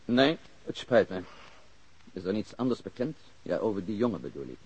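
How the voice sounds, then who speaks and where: An actor playing a guarded but cooperative Swiss-German immigrant car mechanic in a radio crime drama, speaking in short, simple sentences. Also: male voice, lowish voice, big pitch swings, moderate pace, a little mellow, husky, poor audio.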